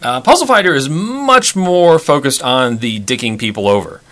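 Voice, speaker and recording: A man co-hosting a casual board game chat, halting with frequent restarts. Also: mid-range voice, animated, fairly bright tone. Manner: halting, many restarts and fillers. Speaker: podcast co-host.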